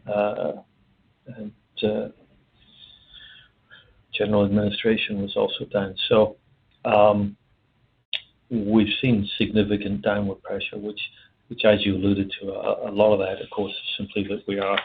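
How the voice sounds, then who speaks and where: A man, a company executive, answering analysts' questions on an earnings call, halting with many fillers and restarts. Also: on the low side, monotone, creaky, slightly rough. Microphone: phone. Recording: tinny phone line.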